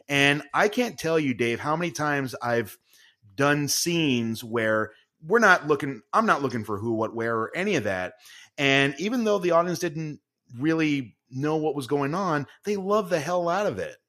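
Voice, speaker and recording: A man hosting a casual interview, thoughtful and quick to laugh. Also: a little high, animated, a bit bright. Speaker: podcast host.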